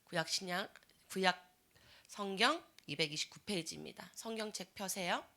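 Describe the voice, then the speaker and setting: A woman's voice: mid-range voice, normal speed, bright, forceful tone. A woman preaching a sermon to a church youth group, asking the teenagers many questions and acting out the people she describes. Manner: acts out complaining voices in quotes.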